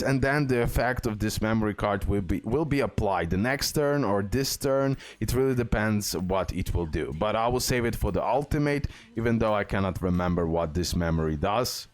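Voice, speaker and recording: A man with a fairly low voice talks through a video game as a guide host. His delivery is casual and explanatory. He uses non-native English phrasing and often repeats words and phrases.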